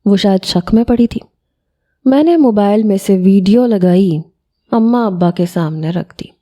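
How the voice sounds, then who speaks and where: A woman's voice: mid-range voice, mellow. A woman narrating a first-person audio story as a schoolboy.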